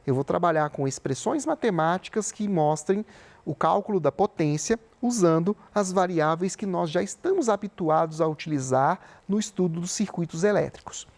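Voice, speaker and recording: Um homem dando uma aula gravada de física, explicando com paciência e conferindo a compreensão dos alunos a cada passo. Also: male voice, high-pitched, animated, moderate pace, darkish tone. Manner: patient, explanatory, often checks in with "tá?". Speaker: physics teacher. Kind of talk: recorded remote class lesson. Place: studio with a flip chart.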